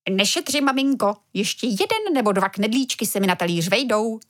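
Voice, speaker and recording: A woman's voice: on the high side, expressive, fairly bright tone. A woman voicing a boisterous father who loves his dumplings, in a children's storybook reading. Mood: hearty. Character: excitable dumpling-loving father, grown man.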